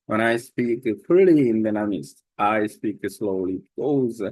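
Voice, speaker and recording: A man with a Korean accent, a native Korean speaker, reading his own prepared text aloud in a careful, deliberate way with small slips. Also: on the low side, expressive, darkish tone, dry recording. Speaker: language learner sharing his study method.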